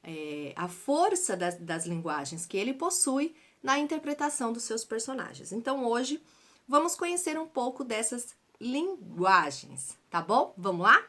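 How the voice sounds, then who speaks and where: A woman's voice: a little high, big pitch swings, a little slow, sharp tone. A woman from Brazil giving a chatty theater lesson, explaining with many fillers and tag questions. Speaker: theater teacher.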